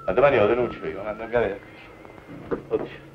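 An actor playing a fussy, self-pitying middle-aged bachelor who frets and wails to himself in a 1950s film comedy. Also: male voice, lowish voice, fairly even intonation, fast talker, lightly acted. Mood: fretful. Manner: whiny, fretful muttering to himself, swings to wailing complaints. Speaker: film character. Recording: dull old film soundtrack with faint hiss and music.

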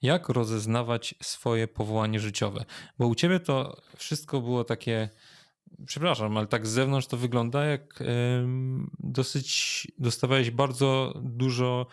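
A man's voice: medium pitch, steady tone, a little slow. A man hosting a casual interview in a hesitant, rambling way with tentative phrasing. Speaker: host interviewer.

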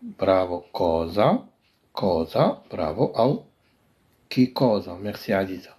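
A man with a Moroccan Arabic accent teaches a live online Italian lesson, repeating every word several times and drilling phrases very slowly while unwell and coughing. His low voice is very animated and a little mellow.

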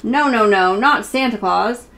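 Woman as kindly storybook man talking to a little one: higher voice, patient, coaxing, explanatory. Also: measured pace, vocal fry, a bit bright. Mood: friendly, coaxing.

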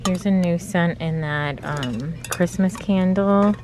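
Slow-talking woman browsing a noisy store. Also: on the low side. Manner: chatty, musing aloud while browsing. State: talking through a face mask. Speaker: vlogger. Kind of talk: casual shop-with-me narration. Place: large store indoors. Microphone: handheld phone camera.

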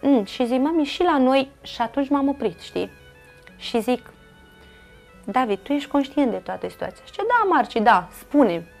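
A woman's voice: high voice, vocal fry, darkish tone, soft background music. A middle-aged woman with a Romanian accent, an interview guest earnestly recounting a personal family story with many fillers and quoted dialogue.

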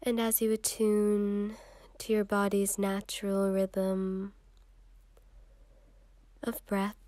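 A woman leading a guided meditation in a soft, soothing, unhurried way with long pauses, breathy at times. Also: mid-range voice, monotone, no room sound.

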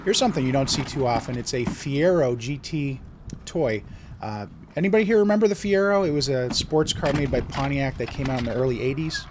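A man's voice: mid-range voice, expressive, brisk, background noise. A man with a stuffed-up voice from a cold, chatting easygoingly as he narrates his flea market vlog.

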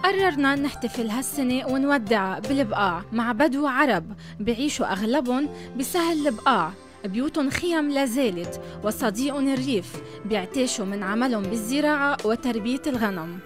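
A woman's voice: fairly high pitch, lively intonation, brisk. A woman with a Lebanese Arabic accent, reading scripted documentary narration as a TV reporter. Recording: voice-over with music bed.

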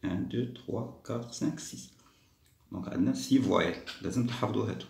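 A man walking young pupils through a lesson, slowly repeating each step in two languages. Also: lowish voice, vocal fry, a little mellow, reverberant. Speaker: teacher. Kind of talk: primary school lesson walkthrough.

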